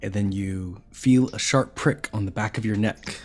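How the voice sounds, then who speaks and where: Low-voiced man as game master. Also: steady tone, normal speed, faint music behind. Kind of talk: narrating a tabletop game.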